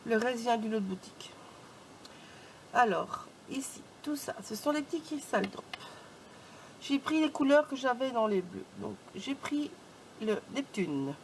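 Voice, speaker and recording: A woman with a fairly high voice talks viewers through a craft tutorial. She is chatty and informal, with little filler words between steps. It sounds like a casual home tutorial. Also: expressive, a little slow, pauses often, a little hiss or hum, poor audio. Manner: chatty, peppered with "donc" and "hop". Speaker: craft YouTuber.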